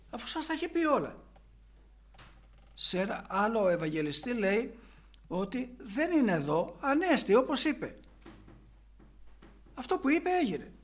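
A man preaching a sermon, retelling a gospel passage and explaining it with rhetorical questions. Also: high-pitched.

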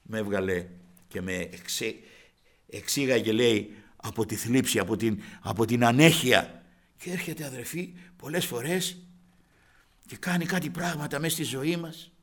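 A man's voice: mid-range voice, fairly bright tone. An older man preaching a sermon, vividly telling his own story and calling the congregation brothers. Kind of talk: sermon with personal testimony.

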